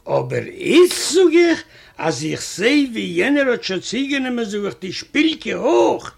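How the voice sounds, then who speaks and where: A man's voice: very high-pitched, sing-song, measured pace, gravelly, breathy edge. A man reading a comic first-person story aloud in a chatty manner, retelling a quarrel and repeating "I say" again and again.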